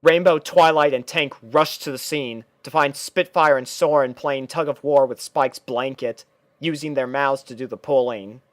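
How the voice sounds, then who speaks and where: A man's voice: mid-range voice, fairly even intonation, moderate pace, no echo. A man reading fan fiction aloud as scripted, storybook-style narration.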